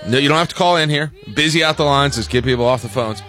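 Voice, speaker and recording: An American man hosting a morning radio show with casual, joking banter and halting self-corrections, close on a studio microphone. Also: medium pitch, bright, forceful tone, faint music behind.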